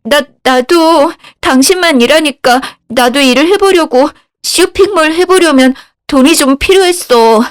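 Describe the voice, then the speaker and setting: A woman's voice: sits high, unhurried, hardly any pauses, voice pushed up. A woman voicing a lying young daughter-in-law who pleads and stammers. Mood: pleading.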